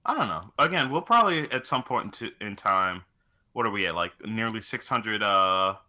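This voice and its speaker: A man's voice: fairly low pitch, expressive, normal speed, pushed and bright. A man co-hosting a casual podcast chat in a laid-back, wry, joking way. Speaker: podcast co-host.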